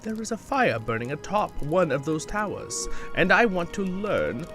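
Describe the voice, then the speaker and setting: A man's voice: high voice, very animated, moderate pace, music in the background, pitched above the performer's own voice. A man voicing a wary woman, the wife of a camp leader, reading quest text aloud. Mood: earnest.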